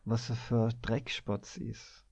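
A man voicing a cheeky, blunt office clerk who talks in a slow, mocking way, in a storybook reading. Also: medium pitch, fairly even intonation, a little mellow, slightly rough. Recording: dull lo-fi recording.

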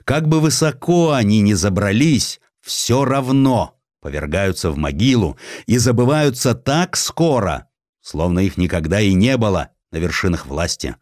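A man reading a historical story as an audiobook narrator, in a measured, expressive literary style. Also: lowish voice, no room sound, clean studio sound.

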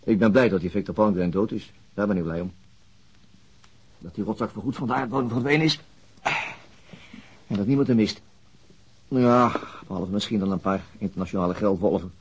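Husky, gloomy police inspector. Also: male voice, fairly low pitch, fairly quick, pauses often, low-quality recording. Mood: bitter, cynical. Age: middle-aged. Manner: grumbling, sardonic, blunt and coarse. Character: gloomy, bitter, cynical middle-aged police chief inspector and father. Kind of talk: naturalistic radio drama acting.

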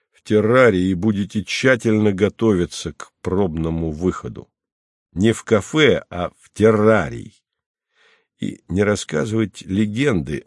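A man voicing a stern male commander who speaks quietly and coldly in an even voice. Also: deep voice, vocal fry, no echo, studio quality, exaggerated voice. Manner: quiet, flat, cold.

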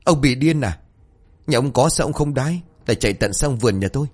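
A man voicing a suspicious old village woman who scolds and threatens loudly. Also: mid-range voice, lively intonation, fairly quick, close to an everyday voice. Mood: scolding.

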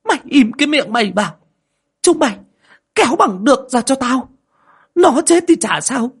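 A man's voice: very high-pitched, big pitch swings, moderate pace, vocal fry, slightly rough, pitched above the performer's own voice, heavily acted. A man voicing a furious older mother-in-law who screeches accusations and threats in an audio story.

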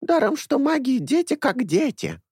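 A man's voice: very high-pitched, very animated, normal speed, darkish tone, husky, dry recording, clean studio sound, voice pushed up, exaggerated voice. A man voicing a talkative old woman in her sixties, a former caretaker who rambles fondly and confidingly.

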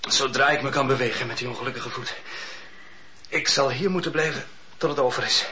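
A man's voice: medium pitch, a little fast, a crowd in the background, natural voice. An actor playing a pompous, middle-aged chief judge with gout, patronizing his wife in a radio play. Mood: weary. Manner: smooth, patronizing, groaning in pain. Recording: dull lo-fi radio recording.

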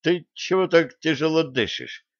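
A man's voice: on the high side, animated, normal speed, no echo, voice pushed up. A stern karate sensei gives short, commanding orders, voiced by a male reader. The sound is dry and a little muffled. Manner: curt, commanding.

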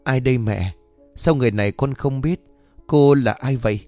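A man's voice: medium pitch, moderate pace, darkish tone, no room sound, faint music behind, natural voice. A man reading a story and voicing a stranger who claims to be a fallen soldier's spirit, speaking in a pained, pleading way.

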